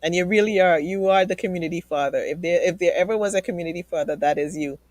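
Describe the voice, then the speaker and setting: A woman hosting a live online talk show, warm and playful with her guests, heard over a video call. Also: lowish voice, quick pace, no echo. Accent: Trinidadian. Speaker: host.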